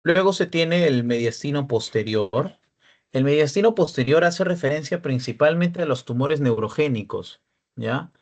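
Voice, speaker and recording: This young adult man has a voice on the high side, a little mellow and animated, at a moderate pace. As a peer tutor, he lectures on radiology, explaining cases and often making sure his audience is keeping up.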